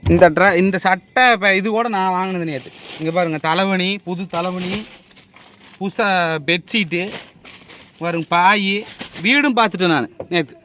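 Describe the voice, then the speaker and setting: A man's voice: sits high, normal speed, slight background noise. Swearing man in a heated argument. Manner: defensive, swearing, rising to shouts. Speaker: husband.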